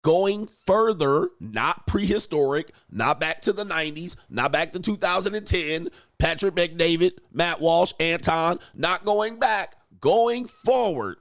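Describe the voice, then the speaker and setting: Slightly high and fairly bright, with vocal fry, his voice runs animated yet a little slow, with few pauses. He's a man mocking clips as a dating coach, brash and swearing, jabbing words and erupting in sudden swells of emphasis during provocative reaction commentary. It's clean studio audio without room sound.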